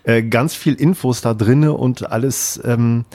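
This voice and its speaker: A man's voice: mid-range voice, steady tone, measured pace, dark tone. A man hosting a podcast interview, thanking his guest and listeners politely with hesitant fillers. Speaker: podcast host.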